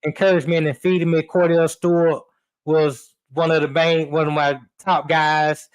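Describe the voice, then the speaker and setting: A man, a sports radio producer and host, talking in a relaxed way with fillers and repeats as a guest. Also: on the high side, moderate pace, clean tone. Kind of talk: casual storytelling chat.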